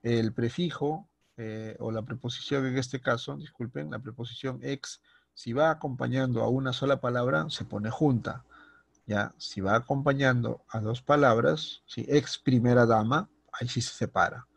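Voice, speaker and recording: A man's voice: medium pitch, vocal fry, no echo. A man with a Latin American Spanish accent teaching a spelling lesson, reading out example words and often checking in with his class. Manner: lists example words slowly, stressing the sounds. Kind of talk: recorded online spelling lesson.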